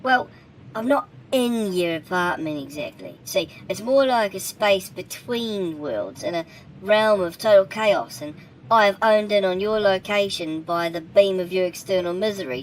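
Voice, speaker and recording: A man's voice: sits high, normal speed, slight background noise, pitched above the performer's own voice, close to an everyday voice, low-quality recording. A man voicing a weary, cheeky male demon with a thick Cockney accent, chatting in a casual, rambling, sweary way. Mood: weary chatty.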